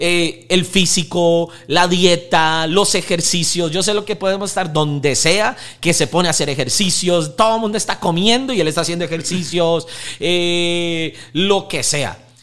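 Here a man with a Costa Rican accent talks at a high pitch and a fairly slow pace. His pitch varies in an ordinary way. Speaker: podcast host and entrepreneur. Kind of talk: casual conversation. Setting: home.

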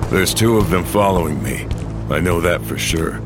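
A man puts on a character voice with a very deep, low pitch at a fairly quick pace. Loud music plays in the background. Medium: audio drama. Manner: sardonic, tough.

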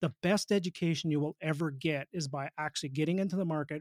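A man with a Canadian Prairies accent, fairly high-pitched and energetic, at a fairly quick pace, in a very clean recording with a silent background and a dry, close sound with no echo. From Saskatchewan, Canada. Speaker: real estate investor and coach. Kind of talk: interview.

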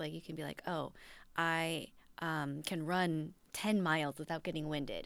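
In a very clean recording with a silent background, a woman with an American accent uses a normal speaking voice. She talks at a fairly slow pace with ordinary pitch variation. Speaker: pole dance instructor and doctoral researcher. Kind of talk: casual interview conversation.

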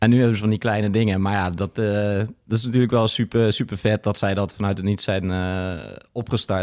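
Fairly quick speech from a man with a fairly low pitch and fairly even intonation, very clean recording, silent background. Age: 30s. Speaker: football journalist. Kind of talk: casual chat. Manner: hesitant, many filler sounds.

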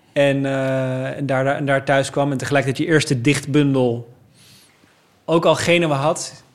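In a normal speaking voice, a man talks at medium pitch and a fairly slow pace with fairly even intonation. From Netherlands, Alphen aan de Rijn. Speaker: podcast host. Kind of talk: interview. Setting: guest's home in Genoa.

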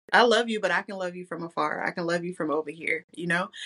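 The speaker has a Southern US accent and talks at a very fast pace. Pitch varies in an ordinary way. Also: woman. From US South, Columbia, South Carolina. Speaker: sobriety influencer and author. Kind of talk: casual chat.

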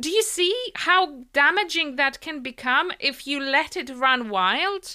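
A woman's raised, projected voice, bright and sharp in tone, with very wide pitch swings at a fairly slow pace. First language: not English. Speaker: podcast co-host, voiceover agency owner. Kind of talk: casual chat. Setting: remote recording.

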